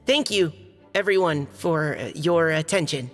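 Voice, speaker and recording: A man's voice: a little high, a little slow, long reverb tail, lightly acted. A man playing a young knight who reads a letter aloud formally, with slight hesitations, in a game. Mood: earnest. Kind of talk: game voice acting. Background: game music.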